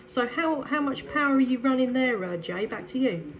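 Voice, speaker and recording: A woman's voice: sits high, expressive, moderate pace, lo-fi sound, over music. A woman with an English accent chats casually and a little hesitantly as a friendly CB radio operator. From England.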